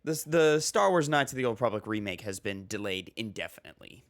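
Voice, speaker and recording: A man's voice: lowish voice, lively intonation, brisk. A man hosting a casual gaming podcast with a slightly stuffy nose, rambling with fillers and reading news articles aloud. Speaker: podcast host.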